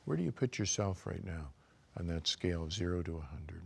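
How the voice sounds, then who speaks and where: Older man, low voice, physician lecturing, calm, measured, guiding self-assessment. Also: vocal fry, slightly rough. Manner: calm, measured, guides listeners through self-assessment questions. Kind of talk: recorded health lecture.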